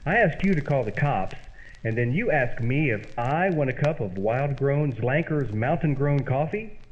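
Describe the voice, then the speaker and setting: A man playing an emphatic, declamatory amateur sleuth and pitchman in an old-time radio comedy. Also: animated, normal speed, dull audio, a little hiss or hum, lightly acted. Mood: exasperated.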